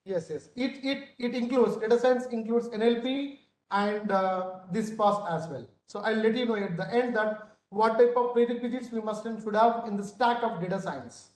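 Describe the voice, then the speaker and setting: A man's voice: high-pitched, moderate pace, darkish tone. South Indian man lecturing in a roomy space. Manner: didactic, repeatedly checking with "right?". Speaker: instructor. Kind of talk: online masterclass lecture. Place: indoor room, video call. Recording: roomy, echoing webcam-call sound.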